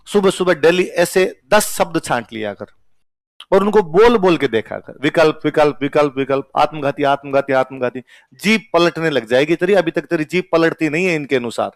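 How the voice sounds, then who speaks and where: A man voicing a stern but kindly older male schoolteacher, gruffly scolding and then patiently coaching. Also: fairly high pitch, moderate pace, dry recording, lightly acted.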